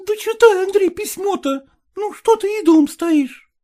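A woman's voice: very high voice, expressive, normal speed, mellow. A woman playing an impatient peasant girl. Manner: pleading, pressing, folk speech. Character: impatient young peasant woman, eager and fretful.

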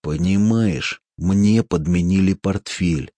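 A man voicing a calm, wry former male seminarian in an audiobook, speaking in a mocking, low-key way. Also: slow, dry recording.

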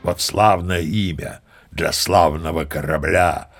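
A man's voice: deep voice, fairly even intonation, slow, faint music behind, full character voice. An actor playing a boastful old sea captain who tells tall tales expressively in an audio play, savoring his words. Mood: proud. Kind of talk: theatrical storytelling in an audio play.

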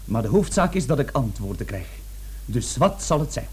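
A performer with a rather low woman's pitch playing a flustered, polite young male interviewer in a radio play, stammering and protesting. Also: very animated, normal speed, darkish tone, husky, heavily acted. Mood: nervous, polite.

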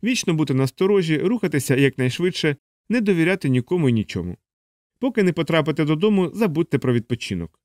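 For an audiobook, a man voices a fussy male alien helper who lectures at length, pitching his voice higher than his own. The delivery is very animated, fast, and a little mellow, explaining things didactically. The recording is dry and studio quality.

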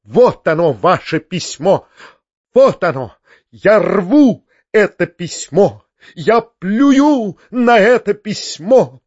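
A man's voice: a little high, big pitch swings, takes it slowly, no room sound, muffled recording. A man voicing a pompous, sanctimonious older male tyrant who preaches and shrieks. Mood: shrieking. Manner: preachy, shrieking when enraged.

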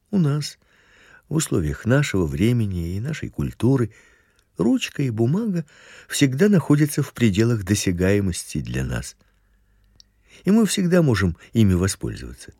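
A man giving a scripted Christian lecture in a slow, measured reading voice. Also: gravelly, warm tone, slightly rough, no room sound, studio quality. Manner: slow, measured reading with wide pitch swings. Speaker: Christian teacher.

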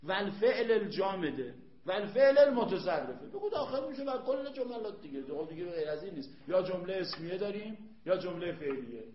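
A man's voice: high voice, very animated, a crowd in the background. A man teaching an Arabic grammar lesson, emphatic, repeating points and quizzing his students. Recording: echoey room, dull lo-fi sound.

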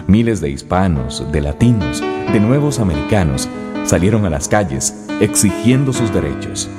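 A man's voice: low-pitched, very animated, normal speed, loud music behind the voice. A man giving solemn, rhetorical scripted narration.

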